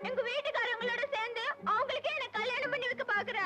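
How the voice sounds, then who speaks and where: A woman's voice: very high voice, steady tone, fast talker. An actress playing a lovesick young village girl, tearful and pleading, with a Tamil accent. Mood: accusing. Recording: old film soundtrack under loud music.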